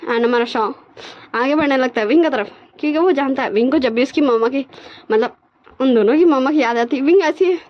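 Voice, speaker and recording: A woman's voice: high voice, brisk, dull audio. A woman narrating a fan fiction story casually, often stumbling and repeating words.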